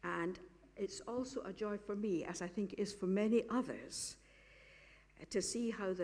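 A woman with a Scottish accent speaks at a medium pitch and a fairly slow pace, her dark, mellow tone touched by vocal fry. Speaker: retired teacher giving testimony. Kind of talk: testimony. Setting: church service.

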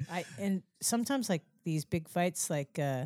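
With lively intonation and a dark, mellow tone, a woman speaks at a fairly low pitch in a dry, close, echo-free sound, recorded very cleanly against a silent background. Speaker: boxing coach. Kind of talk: casual chat. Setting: studio.

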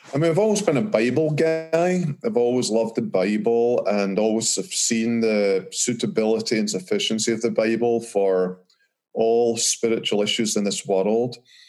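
In an unremarkable speaking voice, a man at medium pitch talks at a moderate pace with lively intonation and very even loudness. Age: 50s. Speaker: pastor and author. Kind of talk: casual interview conversation.

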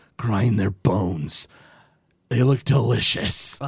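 A put-on character voice from a man, raspy and fairly low-pitched, at a fairly slow pace. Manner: menacing, hungry.

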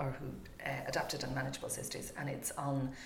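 The speaker is a woman. She has an Irish accent. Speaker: actor. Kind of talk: casual interview chat. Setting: studio.

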